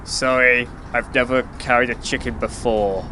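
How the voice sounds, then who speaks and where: A man's voice: medium pitch, steady tone, normal speed, natural voice. A man playing a grumpy, sarcastic birdman hero in an audio drama, with a dry, impatient manner. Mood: determined. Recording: noisy amateur audio recording.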